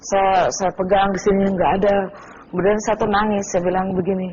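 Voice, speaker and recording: A woman guest, a wife, vividly and emotionally recounts a frightening night as personal testimony. Her mid-range voice is level, a little fast and darkish, captured in dull lo-fi TV audio with faint noise.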